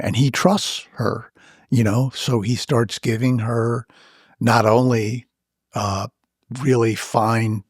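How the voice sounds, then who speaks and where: An older man, an author and guest in an interview, telling his story in a reflective, unhurried way with frequent pauses. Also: mid-range voice, breathy edge, dry recording, clean studio sound. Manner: unhurried, thoughtful, with frequent "you know" pauses.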